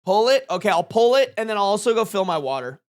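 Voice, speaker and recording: A livestream host in their twenties with a very lively, swooping delivery. The talk is casual and slangy, peppered with swearing and pushed hard for emphasis. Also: medium pitch, fast talker. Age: 20s. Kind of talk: casual reaction stream chat.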